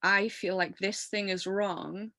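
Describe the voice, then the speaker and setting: A woman in her thirties with an English accent and a low, smoky voice, talking casually and animatedly as an interview guest, laughing often and filling with "like". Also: fairly even intonation, slow, bright, forceful tone, dry recording. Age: 30s. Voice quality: low voice from years of smoking. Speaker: musician guest.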